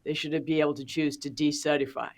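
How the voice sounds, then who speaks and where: A woman's voice: deep voice, level tone, brisk. A woman speaking as a policy expert in an interview, explaining methodically with questions and plain examples.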